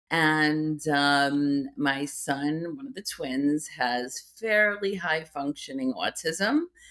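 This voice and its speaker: This woman's very deep, low pitch moves with ordinary variation on a very clean recording with a silent background. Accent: Long Island. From Long Island, New York. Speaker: podcast guest, mother. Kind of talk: casual interview chat.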